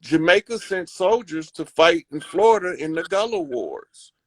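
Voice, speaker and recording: A man's voice: a little high, very animated, normal speed. A man giving a confident, rambling talk in a casual conversational style. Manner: confident, emphatic, rambling with fillers. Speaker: host.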